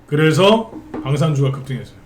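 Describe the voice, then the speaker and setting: A man's voice: a little high, animated, fairly quick, echoey room, a little hiss or hum. A man giving live stock market commentary, chatty, often asking tag questions and answering them himself.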